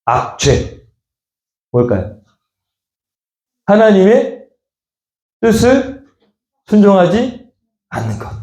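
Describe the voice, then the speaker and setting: A male pastor preaches in a church hall, his mellow voice ringing off the walls. He keeps asking the congregation questions in a plain, chatty way, his pitch swinging up and down as he presses each point. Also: big pitch swings, takes it slowly, pauses often, dull audio. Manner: fires rhetorical questions at the congregation in casual speech. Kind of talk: sermon. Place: church sanctuary.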